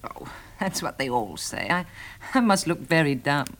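An actress playing a wistful, playful, well-bred young woman novelist in a 1960s radio drama, hesitant and expressive. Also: sits low, moderate pace, slight background noise, exaggerated voice. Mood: wry, candid.

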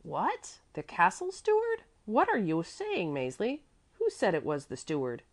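A woman's voice: on the low side, big pitch swings, moderate pace. A woman voicing an anxious, fussing woman who minds a child in a children's storybook, with a flustered, scolding manner. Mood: alarmed. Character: anxious, fretful woman minding a little girl.

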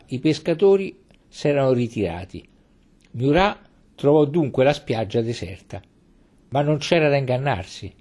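Measured male audiobook narrator. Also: medium pitch, a little mellow. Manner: measured, deliberate reading with dramatic pauses. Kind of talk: scripted literary narration.

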